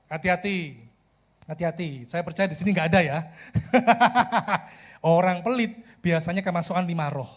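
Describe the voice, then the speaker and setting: A middle-aged male pastor with a Javanese accent preaching in a lively, humorous way. He keeps slipping into the voices of the people he quotes. His voice sits fairly high for a man. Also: moderate pace. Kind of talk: sermon.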